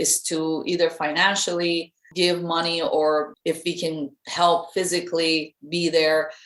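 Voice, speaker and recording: Using fairly even intonation, a woman speaks with an Iranian accent. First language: Farsi. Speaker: singer. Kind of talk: interview.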